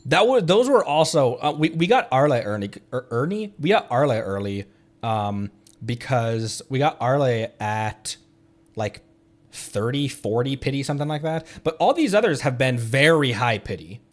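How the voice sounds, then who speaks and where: A man streaming a game from home, chatting casually, excitable and rambling, laughing often as he talks. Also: mid-range voice, moderate pace. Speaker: VTuber streamer. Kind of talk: casual gameplay chat.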